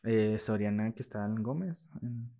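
Young Mexican-accented man, podcast guest, candid and animated storyteller who voices the people in his story. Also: on the low side, moderate pace, gravelly. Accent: Mexican Spanish. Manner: lively, acts out quoted dialogue, laughs while telling. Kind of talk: casual storytelling in an interview.

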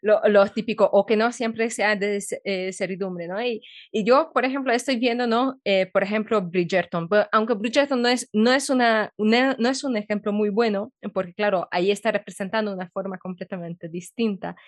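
A woman hosting a podcast interview, thinking aloud in a halting way with many restarts. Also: mid-range voice, dry recording. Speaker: podcast host. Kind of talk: casual interview chat.

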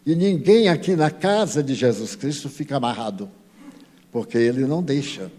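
A man's voice: medium pitch, expressive, moderate pace, dark tone, lightly acted. A man voicing a firm elderly medium who lays down the rules of his house. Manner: firm, unbending. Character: stern elderly male spiritist medium. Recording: long hall reverb.

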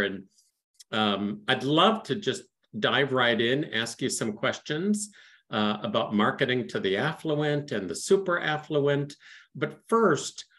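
A man hosting a podcast, reading a guest introduction and asking questions in a measured way with some hesitant uhs. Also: medium pitch, fairly bright tone. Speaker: podcast host.

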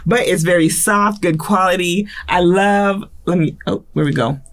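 A woman's voice: on the low side, moderate pace. A woman co-hosting a podcast in casual chat, playful and chatty, who sometimes breaks into song. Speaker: podcast co-host.

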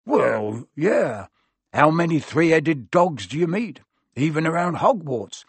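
A huge, soft-hearted storybook gamekeeper who rambles on and lets secrets slip, as a man voices him. He sits a little higher and louder than the reader's own voice, with a lively, swinging delivery. The sound is dry and close. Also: takes it slowly, husky, dry recording, full character voice. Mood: rambling. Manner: rambling, blurting. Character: huge gruff kindly half-giant gamekeeper man.

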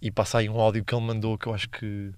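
A man's voice: lowish voice, flat delivery, very fast, clear, resonant tone, no room sound. A young man with a European Portuguese accent hosting a casual solo podcast, slangy and rambling, laughing at his own stories. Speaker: podcast host.

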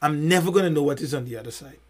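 Emphatic high-voiced man talking soccer. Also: darkish tone. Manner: emphatic, builds points with rhetorical questions and long analogies; fills pauses with many "you know"s. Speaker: podcast co-host. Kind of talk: casual podcast discussion.

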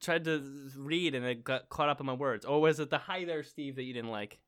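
Young guy podcasting, bright clear voice, reads emails, rambles with lots of um and like. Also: mid-range voice, fairly quick. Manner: rambling, filler-heavy, excitable about marble racing. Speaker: podcast co-host reading listener emails. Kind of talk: casual chat.

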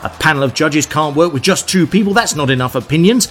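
A man's voice: fairly high pitch, lively intonation, fast talker, slight background noise, lightly acted. An actor playing an exasperated, bickering king with an incredulous, sarcastic delivery in a comic pantomime. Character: exasperated, bickering King Arthur judging knights. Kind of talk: pantomime audio comedy.

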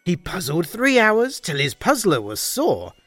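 A woman narrating a rhyming holiday story in an unhurried, sing-song voice whose pitch rises and falls dramatically. The sound is close and dry, with faint music playing behind her. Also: huge pitch swings, no echo. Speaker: host and narrator.

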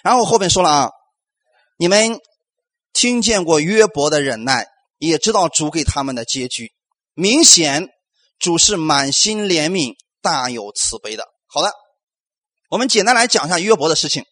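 A man delivers a sermon as pastor, his voice pitched high and swinging widely between bright peaks and low drops. He preaches with animation, briefly acting out the voices of people he quotes. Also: lively intonation, moderate pace.

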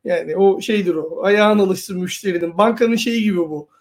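A woman's voice: medium pitch, normal speed, darkish tone. Sardonic woman in casual conversation. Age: adult past university years. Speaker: co-host.

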